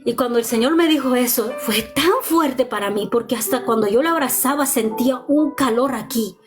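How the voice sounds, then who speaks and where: A woman's voice: on the high side, moderate pace, faint music behind. A woman preaching a personal testimony in an impassioned, repetitive style, speaking straight to her listeners. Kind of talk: testimony sermon.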